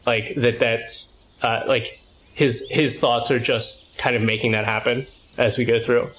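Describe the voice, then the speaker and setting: A man playing a tabletop game, haltingly thinking aloud as he improvises casually about his character. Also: medium pitch, fairly even intonation, fairly bright tone, a little hiss or hum, low-quality recording.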